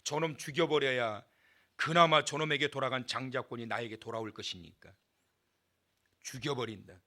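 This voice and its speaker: A man's voice: mid-range voice, steady tone, brisk, pushed and bright. A male pastor giving a sermon in church, dramatic and full of questions to the congregation.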